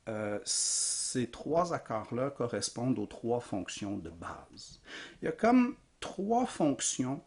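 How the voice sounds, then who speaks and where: A man's voice: mid-range voice, a little mellow. A man giving a recorded music theory lecture, explaining patiently with frequent fillers. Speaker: music teacher.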